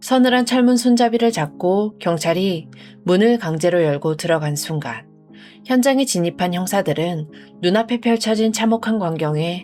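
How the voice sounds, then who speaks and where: Music plays behind a woman speaking at a fairly slow pace with a fairly low pitch. Her tone is calm and soothing, and her intonation is lively. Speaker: true crime narrator. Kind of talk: true crime sleep story narration. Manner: sleepy, soothing.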